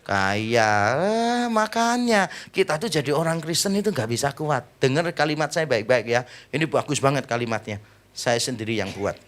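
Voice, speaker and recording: Man, middle-aged pastor, lively joking sermon, fairly high voice. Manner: lively, joking, swings between loud exclaims and slow quiet emphasis.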